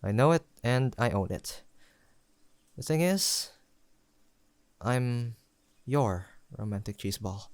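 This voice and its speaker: A man's voice: medium pitch, expressive, dry recording. A young man playing a tender, teasing best friend turned lover in an intimate romantic audio roleplay, speaking in a hesitant, conversational way. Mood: loving, playful. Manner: conversational, hesitant, halting delivery with sighs and soft chuckles.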